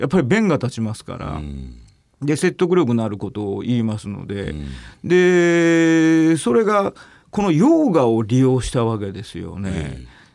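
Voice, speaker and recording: Against a quiet background, a man of medium pitch talks at a fairly slow pace with very wide pitch swings and big swings in loudness. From Japan, Kochi Prefecture (Aki). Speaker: nonfiction writer. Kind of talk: radio interview. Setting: radio studio.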